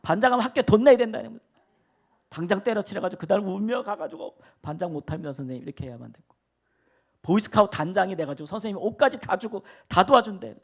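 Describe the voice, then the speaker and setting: A middle-aged Korean man preaches a Sunday sermon, telling his own life story with expressive, acted-out voices. His voice sits high for a man and swings widely in pitch. It has a gravelly, husky grain. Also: quick pace. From South Korea. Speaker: pastor. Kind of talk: personal testimony in a Sunday sermon. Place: church sanctuary.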